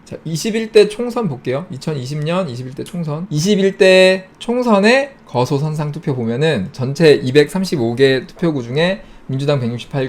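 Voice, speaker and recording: A man talks his viewers through a chart on his own channel and thinks aloud as he scrolls. His voice is gravelly and his pitch rises and falls a lot. He reels off items in quick, clipped phrases. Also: darkish tone. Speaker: YouTube host. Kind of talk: casual screen-share data walkthrough.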